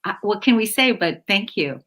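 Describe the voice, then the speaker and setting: A woman's voice: mid-range voice, animated, moderate pace, bright, forceful tone. A woman co-hosting a talk show, gushing with effusive praise and many fillers. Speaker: co-host. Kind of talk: warm-hearted talk show chat.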